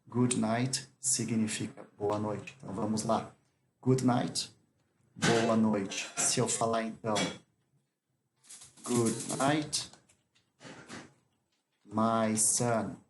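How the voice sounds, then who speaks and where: A man gives a slow, deliberate lesson in a fairly low voice, repeating each phrase so learners can follow. Faint noise and small clicks sit under the recording. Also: level tone. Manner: repeats each phrase slowly, drilling pronunciation. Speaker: English teacher.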